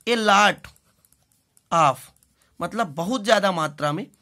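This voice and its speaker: Slow-paced Indian woman teaching English. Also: medium pitch, bright, forceful tone. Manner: deliberate, repeats phrases and checks in often. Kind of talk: bilingual classroom lesson, translating and spelling out words.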